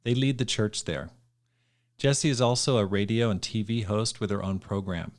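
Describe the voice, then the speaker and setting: Upbeat lower-voiced male podcast host. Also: normal speed. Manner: upbeat, encouraging interviewer. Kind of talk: podcast interview.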